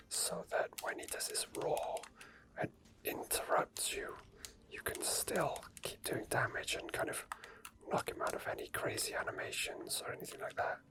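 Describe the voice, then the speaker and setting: A gaming streamer speaks entirely in a soft, breathy whisper. The delivery is ASMR gameplay commentary, walking the listener through each action as it is done. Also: poor audio. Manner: explains each step as it is done. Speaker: video game streamer.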